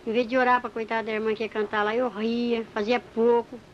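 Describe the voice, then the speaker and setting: A woman giving an emotional church testimony, telling her story in an animated way and acting out the dialogue. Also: on the high side, a little fast. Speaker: testimony speaker. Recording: muffled recording with faint hiss.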